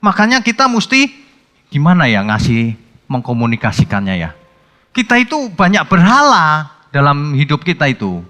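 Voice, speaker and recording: A male pastor preaching a sermon in a conversational, colloquial way, breaking into sudden animated outbursts. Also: fairly high pitch, moderate pace, pauses often. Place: church hall. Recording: long hall reverb with faint music.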